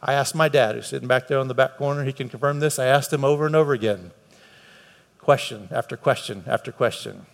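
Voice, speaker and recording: This American preacher talks to a live church-hall congregation at a quick clip, his medium-pitched voice showing vocal fry. Earnest and conversational, he repeats words for emphasis and lets his voice rise when pressing a point, while long reverb fills the hall.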